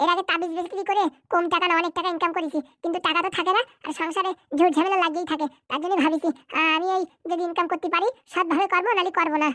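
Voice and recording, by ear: A woman puts on a cartoonish character voice at an extremely high pitch. She talks very fast, with fairly even intonation.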